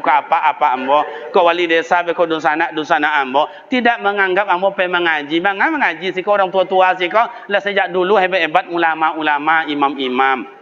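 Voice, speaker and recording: High, bright-voiced preacher. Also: male voice, a little hiss or hum. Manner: animated storytelling, acts out voices, quizzes the congregation. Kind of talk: lively humorous sermon. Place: village mosque. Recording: dull lo-fi sermon recording with faint ambience.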